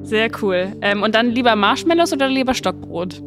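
A woman's voice: on the high side, animated, moderate pace, music in the background. A woman hosting a trade fair podcast, asking her guests questions in an upbeat, prompting way. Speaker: podcast host.

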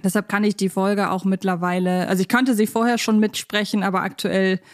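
A woman's voice: medium pitch, little pitch movement, brisk. A woman hosting a podcast in a casual, conversational chat style. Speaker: podcast host.

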